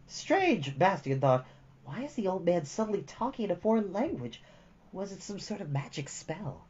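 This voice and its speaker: A man reading a storybook aloud as host, with expressive narration and the odd casual aside. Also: high-pitched, moderate pace, highs cut off.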